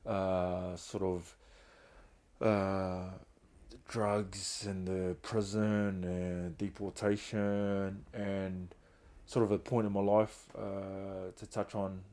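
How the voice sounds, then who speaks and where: Casting: middle-aged New man, earnest guest, flat low delivery. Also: drawn-out words. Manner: earnest, open, speaks of hard times with emotion. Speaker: guest, founder of a reintegration trust. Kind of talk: candid personal storytelling.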